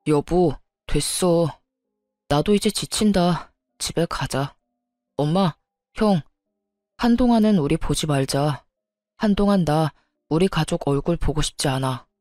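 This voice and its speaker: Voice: medium pitch, measured pace, darkish tone, dry recording, clean studio sound, soft background music, close to an everyday voice. A voice actor playing a young married man who stands up for his wife against his mother, in a dramatized story reading. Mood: weary. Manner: firm, exasperated.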